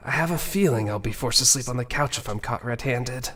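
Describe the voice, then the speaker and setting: A man playing an awkward, self-doubting young prince musing to himself in a fan audio drama, with a husky voice. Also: mid-range voice, a little fast, fairly bright tone, recorded from a distance, natural voice. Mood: flustered. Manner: casual, introspective musing.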